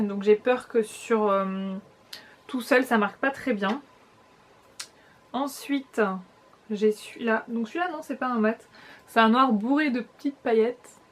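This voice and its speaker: A young woman vlogger chatting casually through a makeup haul, talking straight to her viewers with frequent small restarts. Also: on the high side. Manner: chatty, hesitant restarts, addresses viewers directly. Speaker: beauty vlogger.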